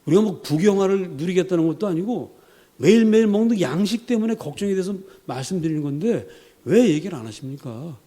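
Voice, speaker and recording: In a church sanctuary, a pastor with a high-pitched, expressive, dark-toned voice preaches fairly quickly. He's dramatic and emphatic, acting out quotations and building to emphatic peaks.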